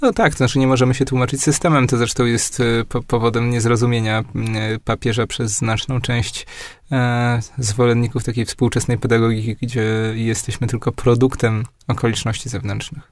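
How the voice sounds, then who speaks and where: A man from Poland, a guest historian, explaining at length in a hesitant academic way, with frequent pauses and restarts. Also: medium pitch, flat delivery. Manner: many fillers and restarts, measured.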